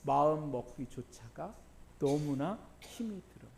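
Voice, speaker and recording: Man, high voice, middle-aged pastor, sermon, asks and answers his own questions, laughs while telling stories. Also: expressive, measured pace, vocal fry, a little mellow. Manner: asks the congregation questions and answers them himself; tells personal stories with laughter.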